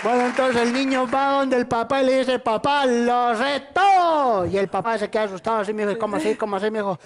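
A man's voice: very high voice, fairly even intonation, brisk, a faint crowd. An actor playing a boastful bread-shop boss running for president, with a Colombian accent. He is chatty, laughs at his own jokes and calls everyone son in a TV studio comedy sketch. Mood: jokey. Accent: Colombian Spanish.

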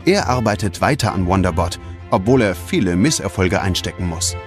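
Male narrator, children's audio story, very lively intonation, clear music bed. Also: low-pitched, normal speed.

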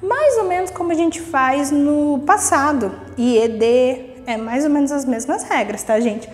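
A woman with a high voice teaches an English grammar lesson at an unhurried pace. She reads each rule carefully, explains it in a friendly, encouraging way, and keeps checking in with her students. The recording has a long reverb and faint music underneath. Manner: lively and encouraging, repeating "vamos lá" and "ok?"; reads English rules slowly, then explains them in Portuguese.

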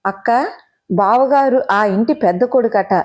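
A mischievous younger sister leans in with a confiding, teasing tone, as a woman storyteller puts her on. The voice is fairly high and girlish within a spoken storybook. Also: measured pace, a little mellow, muffled recording.

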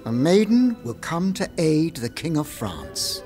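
A man's voice: fairly high pitch, big pitch swings, unhurried, a little mellow, faint music behind. A man playing an earnest, learned churchman in an audio drama, arguing formally and persuasively. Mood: earnest advocacy.

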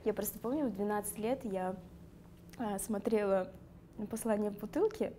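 A woman's voice: medium pitch, normal speed, warm tone, slight background noise. A young woman from the North Caucasus with a light Circassian accent, chatting in a sit-down interview, laughing often and using many fillers. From Karachay-Cherkessia, North Caucasus. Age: young adult. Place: dark studio. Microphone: lapel.

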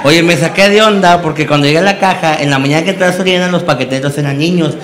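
Give me a brash Mexican stand-up comedian with a high voice, in an echoey room with noise behind. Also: male voice, fast. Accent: Mexican Spanish. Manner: brash, slangy storytelling with acted-out voices.

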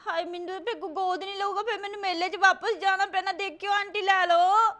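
A woman voicing a cheeky little boy who whines and begs to be adopted, with quick comebacks. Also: very high voice, steady tone, bright, forceful tone. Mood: pleading. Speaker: comedy show host.

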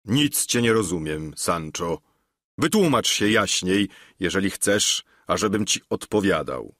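A man's voice: animated, fairly bright tone, no room sound, studio quality, full character voice. A man voicing a solemn old deluded knight. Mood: earnest. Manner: slow, solemn, low and measured.

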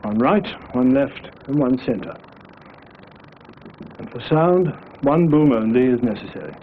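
A man's voice: mid-range voice, expressive, a little slow. A British man delivering scripted narration for a training film, as its narrator. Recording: hissy, narrow 1960s film soundtrack.

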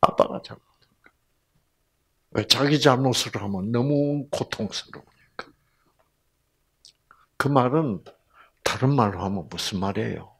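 Slow, gravelly male Bible lecturer. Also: mid-range voice. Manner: asks the audience questions and acts out the people in his story; slow, animated delivery, often dropping to a whisper. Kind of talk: storytelling lecture to a live audience.

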